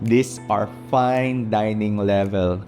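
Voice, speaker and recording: A man's voice: fairly low pitch, steady tone, slow pace, a little mellow. A man with a Filipino accent, a native Tagalog speaker, narrating a storytime vlog. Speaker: vlogger. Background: background music.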